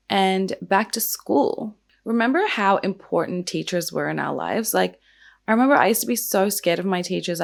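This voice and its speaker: A young woman hosting a true crime and makeup vlog. She talks in a casual, chatty way with lots of "like" fillers, and her voice is croaky from the early morning. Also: medium pitch.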